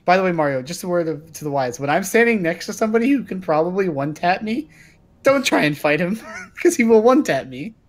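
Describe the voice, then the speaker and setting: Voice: mid-range voice, expressive, fast talker. A player in a tabletop roleplay game, chatting casually in a wry, grumbling way.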